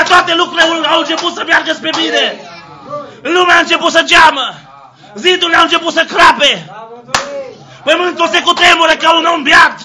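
A man delivers a fiery Pentecostal-style sermon, shouting exclamations of praise like "Hallelujah" and posing questions he answers himself in call-and-response fashion. Now and then he sinks into low, quiet passages.

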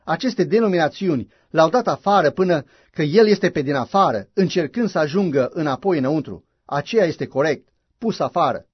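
Fervent husky-voiced male preacher. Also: on the high side, animated, no echo. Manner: fervent, emphatic preaching with exclamations. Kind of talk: sermon. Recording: dull lo-fi recording.

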